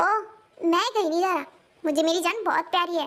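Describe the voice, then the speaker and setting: A woman's squeaky, put-on character voice at an extremely high pitch, fairly quick in pace and very even in loudness. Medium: audio drama. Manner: teasing, joking.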